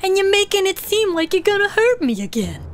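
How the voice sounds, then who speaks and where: A woman's voice: very high voice, very animated, a little fast, pitched above the performer's own voice. A woman voicing a cowardly, self-important male small-town deputy in a tabletop audio drama, pleading and blustering. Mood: nervous, evasive.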